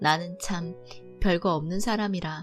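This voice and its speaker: Over music in the background, a woman speaks at a very slow pace. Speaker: book reader. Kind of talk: essay reading. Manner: soft-spoken, calm.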